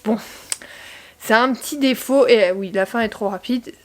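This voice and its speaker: A woman's voice: a little high, normal speed, echoey room. A young French woman with a French accent, rambling through a casual book vlog with lots of fillers and restarts. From France. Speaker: book vlogger.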